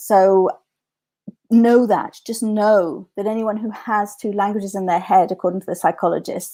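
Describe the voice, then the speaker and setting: In an English accent, a dark, mellow voice holds fairly even intonation with long, frequent pauses. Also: woman. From England, raised in Spain. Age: 50s. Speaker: maths educator. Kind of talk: solo talk show monologue. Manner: halting.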